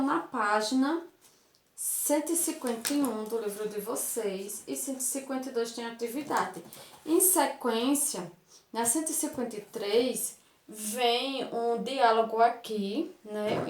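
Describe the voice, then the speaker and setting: Brazilian woman teacher, high, echoey room. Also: slight background noise. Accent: Brazilian Portuguese. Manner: affectionate, explaining slowly with frequent "certo?"; reads dialogue aloud with expressive intonation. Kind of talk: online Portuguese lesson for children.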